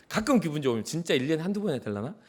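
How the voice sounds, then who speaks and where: Middle-aged male pastor, conversational sermon delivery, very expressive pitch, acts out quotes. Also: slightly rough. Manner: animated, conversational, acts out quotes, drops to soft whispers. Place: church sanctuary.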